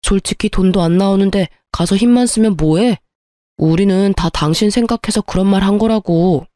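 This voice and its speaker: A bitter, grasping ex-husband who keeps accusing and defending himself, as a woman reader puts him on. The voice is mellow and low-key, and the recording is dry and close with no room sound. It is the dialogue of a read-aloud story. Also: normal speed, no echo, close to an everyday voice. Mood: defensive. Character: bitter greedy ex-husband, adult man. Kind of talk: storybook narration with acted dialogue.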